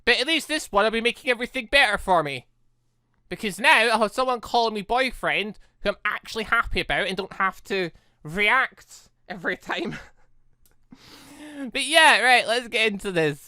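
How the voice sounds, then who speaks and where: Gaming video host: bright, punchy voice, chatty and animated, casual commentary and read-aloud game text, dry sound. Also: medium pitch, no echo.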